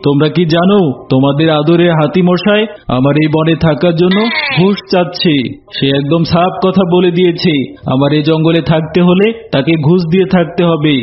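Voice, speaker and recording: A sly, boastful old cartoon tiger played by a man, theatrical and two-faced in how he talks. The voice sits a little high for a male. The sound is slightly dull, with soft music underneath. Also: moderate pace, close to an everyday voice. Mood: indignant. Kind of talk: cartoon voice acting. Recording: muffled audio with music bed.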